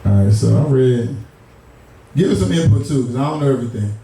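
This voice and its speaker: A man co-hosting a casual talk show, lively and laughing as he reads out gossip news. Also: mid-range voice, fairly quick, creaky, very echoey, far from the mic, poor audio. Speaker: co-host. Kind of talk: casual studio banter. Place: studio.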